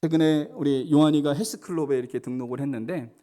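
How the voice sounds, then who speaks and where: A middle-aged male pastor giving a sermon, earnest, often calling out to the congregation and moving between loud emphatic preaching and quiet storytelling. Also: on the high side, fast talker.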